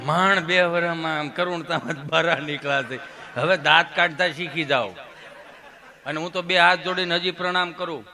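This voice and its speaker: High-voiced stand-up comic, music behind. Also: male voice, moderate pace. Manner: animated, swings from soft to loud, addresses audience as sir. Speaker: stand-up comedian. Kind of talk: Gujarati stand-up storytelling on stage.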